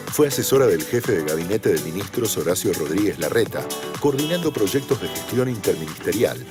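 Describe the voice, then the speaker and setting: A man reading speaker biographies as a formal voice-over announcer. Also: fairly low pitch. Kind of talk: scripted voice-over narration. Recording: voice-over with music bed.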